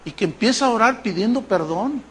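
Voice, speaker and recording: A man preaching a sermon, telling a story with animated voices for the people he quotes. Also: high-pitched, fairly quick, breathy edge. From Mexico. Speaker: pastor. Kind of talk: sermon with acted-out anecdote.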